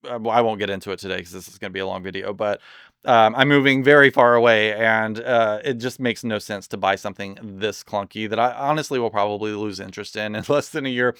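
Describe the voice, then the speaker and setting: A man chatting casually and enthusiastically in a product review, rambling with lots of fillers, his voice slightly hoarse from overuse. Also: lowish voice, quick pace, a bit bright, dry recording, clean studio sound. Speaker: doll collector reviewing products.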